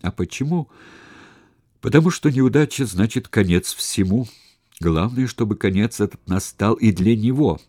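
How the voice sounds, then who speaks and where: A shrewd, patient plotter, voiced by a man reading a novel talks his allies down in a measured, persuasive way. His voice is low and mellow, recorded close and dry. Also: expressive, breathy edge, dry recording. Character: shrewd, cautious male conspirator, calm schemer. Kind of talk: audiobook character reading.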